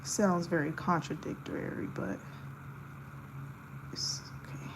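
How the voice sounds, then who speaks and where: A woman's voice: lowish voice, fairly even intonation, slow pace, vocal fry, whispered, rough recording. A young woman in her twenties, chatting casually with viewers while she sketches, giggling often and using lots of filler words. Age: 20s. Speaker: art livestreamer.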